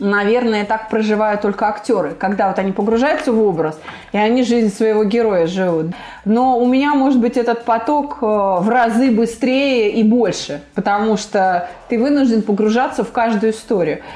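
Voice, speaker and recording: A woman at a moderate pace with ordinary pitch variation and very even loudness, against noticeable background noise. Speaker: podcast host. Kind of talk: casual interview.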